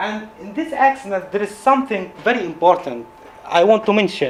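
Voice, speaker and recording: With lively intonation and a moderate pace, a man talks over noticeable background noise. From Palestine, West Bank. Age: 30s. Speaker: editorial cartoonist. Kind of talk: public talk. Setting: lecture hall with audience. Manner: halting, many hesitations.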